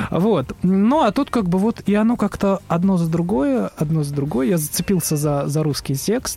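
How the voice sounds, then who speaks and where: Over noticeable background noise, a man with a high pitch and lively intonation keeps his loudness very even, speaking at a moderate pace with hardly any pauses. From Russia, Ulan-Ude (Buryatia). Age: young. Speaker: composer. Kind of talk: radio interview.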